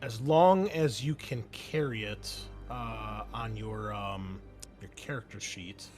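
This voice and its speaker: A man's voice: fairly low pitch, takes it slowly, a little mellow. A man running a tabletop roleplaying game as game master, explaining things patiently and a little hesitantly in casual talk. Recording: music under the voice. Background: background music.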